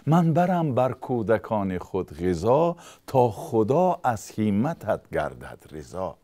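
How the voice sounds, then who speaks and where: A man's voice: fairly low pitch, sing-song, mellow. Fields: a man reciting a poor pleading mother, Tajik accent. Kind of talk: recited verse storytelling.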